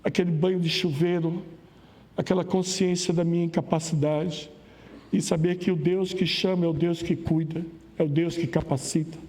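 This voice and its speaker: A man's voice: fairly high pitch, fairly even intonation, moderate pace, a little mellow. A male pastor with a Northeastern Brazilian accent preaching a sermon, telling a personal story with emotion and acting out remembered dialogue. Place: church sanctuary. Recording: long church hall reverb.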